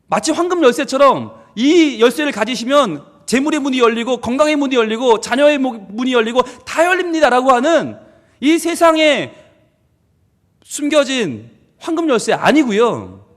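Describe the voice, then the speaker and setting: A male pastor preaching a sermon in an animated, playful way, joking and acting out quotes. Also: very high voice, moderate pace, in a large hall. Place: church sanctuary.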